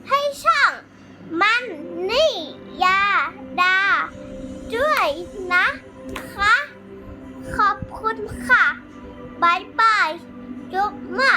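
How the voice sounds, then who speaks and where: A woman's voice: very high voice, lively intonation, drawn-out words, pauses often. A young girl with a playful, chattering manner, role-playing a children's story as the host of a channel. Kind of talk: improvised children's game role-play narration. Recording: music behind the voice. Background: background music.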